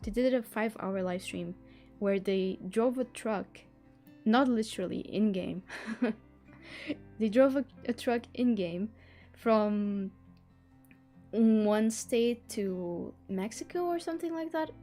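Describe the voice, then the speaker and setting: Mellow-voiced non-native English-speaking woman streamer. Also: medium pitch, takes it slowly, pauses often, soft background music. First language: not English. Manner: chatty, giggly, stumbles over words while reading. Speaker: livestream host. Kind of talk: casual livestream chat, reading a book blurb aloud.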